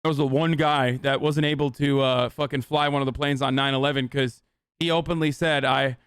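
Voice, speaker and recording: A man's voice: medium pitch, fairly even intonation, a little fast, fairly bright tone, clean tone, no echo, studio quality. A male streamer giving heated, profane live reaction commentary. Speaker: streamer host.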